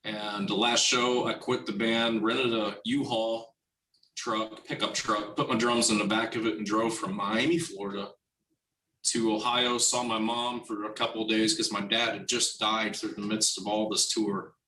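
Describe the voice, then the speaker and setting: A man telling a long casual story about his drumming career in an interview, animated and acting out the dialogue he quotes. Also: fairly low pitch, moderate pace. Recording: roomy, distant from the mic, faint noise.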